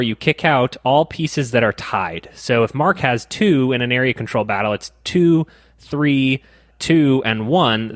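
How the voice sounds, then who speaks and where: Man, podcast co-host, methodical rules explainer, dry teasing, mid pitch, dead-dry sound. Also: a bit bright, dry recording. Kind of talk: casual board game chat.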